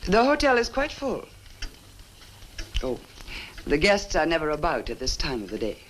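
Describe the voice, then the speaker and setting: An actress playing a sinister woman innkeeper in a 1960s horror film, speaking formally and with measured courtesy. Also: deep voice, wildly swooping pitch. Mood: cool, formal. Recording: noisy old film soundtrack.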